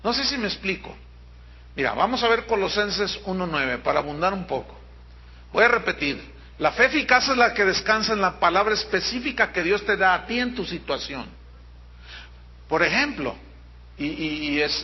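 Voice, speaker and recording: A man's voice: high-pitched, lively intonation, husky, muffled recording. A man with a Mexican accent, a pastor preaching a sermon in a church auditorium, emphatic and drawing out key words. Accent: Mexican Spanish. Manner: emphatic preaching, drawn-out stresses, mimics people.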